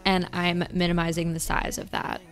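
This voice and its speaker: A young woman with a slightly hoarse voice calmly explaining a craft project step by step in a tutorial voice-over. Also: lowish voice, normal speed. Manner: calm, instructive, methodical. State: slightly hoarse, losing her voice. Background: faint background music.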